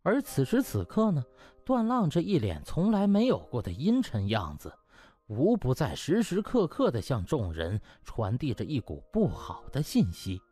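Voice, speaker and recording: A man's voice: mid-range voice, huge pitch swings, normal speed, dark tone, husky, faint music behind. A man narrating a comic novel in a dramatic, theatrical storytelling style. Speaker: audiobook narrator.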